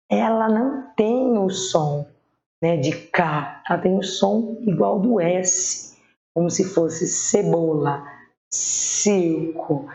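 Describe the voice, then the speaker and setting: A woman with a Brazilian accent teaching primary school children spelling, patiently sounding out words slowly. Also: mid-range voice, mellow. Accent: Brazilian Portuguese. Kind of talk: online spelling lesson. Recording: echoey room, dull lo-fi sound.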